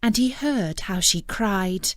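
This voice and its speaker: Slow, expressive female storyteller. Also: medium pitch, no echo, studio quality. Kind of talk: scripted fairy tale narration.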